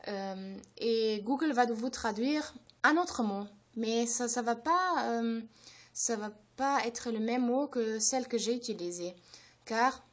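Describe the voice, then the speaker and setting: A woman's voice: on the high side, takes it slowly. Hesitant German-native woman speaking French. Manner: hesitant, many fillers and restarts. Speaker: language-learning channel host. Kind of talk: unscripted explanation to camera.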